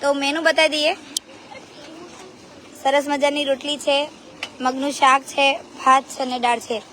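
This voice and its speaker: A woman with a high, bright-sounding voice hosts a casual live stream on her phone. She chats easily, teases the people around her and keeps pressing them with quick questions. A faint hiss of noise runs under her voice. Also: level tone. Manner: chatty, teasing, quick follow-up questions.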